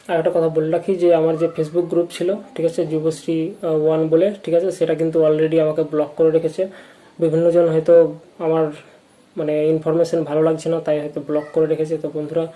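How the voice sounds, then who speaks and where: Speaking in a mid-range, monotone voice with a dark tone, a presenter with a West Bengal accent updates his channel's viewers informally. He comes across as halting and repetitive, like a newcomer to presenting, on a low-quality recording.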